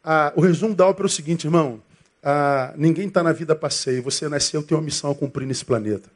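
A man's voice: fairly high pitch, quick pace. A man with a Brazilian accent preaching a sermon as pastor, in a conversational way that calls listeners brother and asks them questions.

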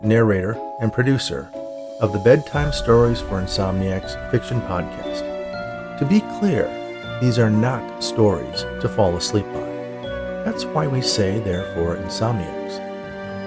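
A man's voice: on the low side, unhurried, over loud music. A man hosting his fiction podcast, reading scripted introductions and stories in an audiobook style. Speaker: podcast host, writer and narrator.

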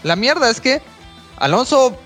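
A man telling a road-trip story on a podcast, animated and profane. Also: very high-pitched, a little slow, faint music behind. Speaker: podcast host. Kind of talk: casual storytelling chat.

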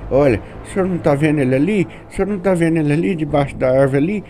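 A man voicing a nervous teenage boy who stammers quietly and sounds frightened. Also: a little high, rapid-fire, slight background noise, voice pushed up, close to an everyday voice.

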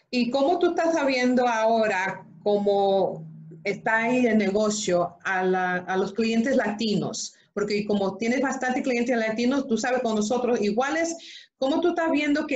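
A woman's voice: a little high, roomy sound, highs cut off, a little hiss or hum. A woman hosting an interview, asking friendly questions and affirming with short interjections. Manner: chatty, affirming with "ujú" and "qué bueno". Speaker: interviewer host.

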